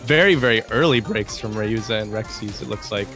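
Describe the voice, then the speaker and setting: A man doing play-by-play commentary on a game tournament, relaxed and calling plays in short bursts. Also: lowish voice, a little fast. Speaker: esports commentator. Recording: game music playing underneath.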